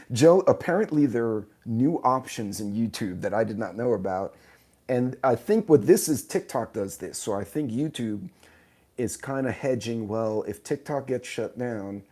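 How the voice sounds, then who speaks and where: Hoarse, low-voiced man chatting on a live stream. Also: darkish tone. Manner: loose, rambling, self-mocking, greets viewers by name. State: hoarse from sinuses. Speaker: channel host. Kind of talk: casual live stream chat. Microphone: tablet mic in vertical live stream.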